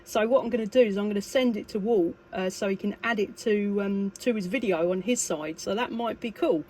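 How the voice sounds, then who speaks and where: A woman's voice: medium pitch, brisk, mellow. A British woman chatting casually as a radio hobbyist, in a hesitant, rambling way. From United Kingdom. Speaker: amateur radio operator. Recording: clearly noisy amateur recording, radio hiss. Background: background noise.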